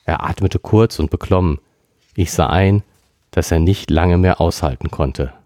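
A man reading a classic novel aloud as a podcast narrator, in a steady storytelling manner. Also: deep voice, measured pace, dry recording, studio quality. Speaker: podcast reader. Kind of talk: audiobook reading.

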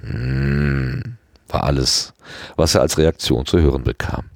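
A man reading a story aloud in an expressive manner, giving each character a voice. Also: extremely low pitch, normal speed, gravelly, no room sound. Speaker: audiobook reader.

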